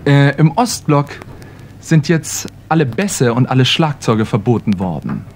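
A man telling jokes on a club stage, in brisk, clipped fragments. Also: mid-range voice, very animated, darkish tone, a little hiss or hum. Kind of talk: live cabaret joke telling. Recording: live club recording with faint audience.

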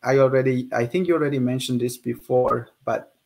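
A man's voice: mid-range voice, steady tone, brisk, vocal fry, darkish tone. A young man from Peru hosting a casual interview over a video call, talking in a friendly, conversational way. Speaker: interview host.

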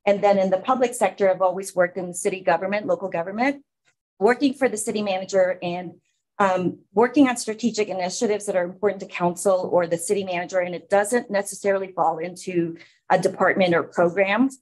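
A woman's voice: medium pitch, steady tone, brisk, a little mellow. A woman from the Philippines facilitating a public city commission meeting, explaining informally with many fillers.

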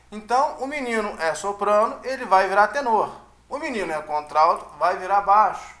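A man's voice: sits high, fairly bright tone. A man giving a casual music lesson, chatty and often checking in with his listeners. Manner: chatty, with frequent tag questions. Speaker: music teacher. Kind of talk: casual online lecture. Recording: roomy echo.

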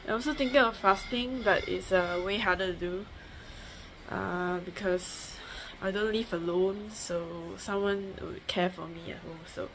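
This is a mid-range, unhurried female voice from a young woman doing a casual diet vlog to camera at home. She rambles in a matter-of-fact way with many fillers and restarts, speaking into a phone held close at arm's length, and the recording is noisy.

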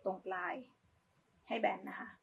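A woman's voice: a little slow, phone-quality sound. A woman giving a casual, polite step-by-step craft tutorial, talking as she demonstrates. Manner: informal, polite, talks while demonstrating.

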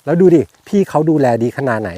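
A man's voice: medium pitch, lively intonation, quick pace, warm tone, no room sound. Man, real estate agent, casual walking tour, chatty and jokey, outdoors, dry close sound. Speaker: real estate agent showing land for sale. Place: outdoors in a fruit orchard. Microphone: clip-on mic.

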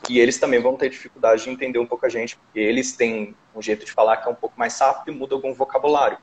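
A man with a Brazilian Portuguese accent hosts a relaxed chat at a mid pitch. He explains things through examples and often ends with a questioning "né?". A faint hiss sits under his voice. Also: racing, poor audio. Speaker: host. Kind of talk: casual live chat.

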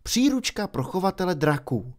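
Storybook schoolboy: lively, a bit grumbly, explains things plainly, read by a man. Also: high voice, pitched above the performer's own voice. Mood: matter-of-fact. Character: cheeky schoolboy wizard, easily bored.

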